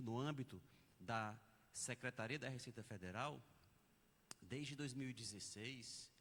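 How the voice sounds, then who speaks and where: A man's voice: medium pitch, fairly bright tone, slight background noise. A man with a Brazilian Portuguese accent giving an academic lecture at a conference, explaining ideas step by step with examples. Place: conference auditorium. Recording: long reverb of a lecture hall.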